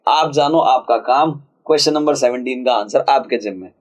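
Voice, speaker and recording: A man teaching English grammar for exam prep, reading sentences slowly and explaining them in a casual, chatty way. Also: medium pitch, rough recording. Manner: casual, chatty, calls viewers friends and brother.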